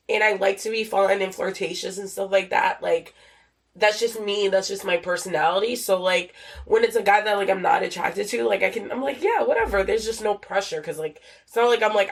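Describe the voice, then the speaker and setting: A woman's voice: mid-range voice, moderate pace, creaky. Young woman host, loose rambling podcast chat, swears freely, stuffy nasal voice from a cold. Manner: rambling, swears a lot, many fillers. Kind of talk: casual solo podcast chat.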